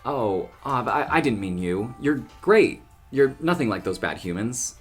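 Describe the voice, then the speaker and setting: A man playing a sardonic yet apologetic male cryptid with a flamboyant streak, expressive and wordy, in an audio drama. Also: medium pitch, unhurried, breathy edge, soft background music.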